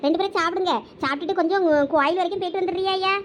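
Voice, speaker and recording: A woman's voice: very high-pitched, racing, a little hiss or hum. A woman in a village comedy skit, voicing a fretful, superstitious mother who coaxes her son. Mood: pleading. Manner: pleading, coaxing.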